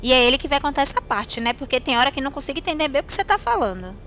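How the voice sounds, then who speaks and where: A woman's voice: sits high, very animated, rapid-fire, pushed and bright, faint music behind, full character voice. An actress playing an earnest, loyal young female crewmate in an audio drama. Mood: teasing.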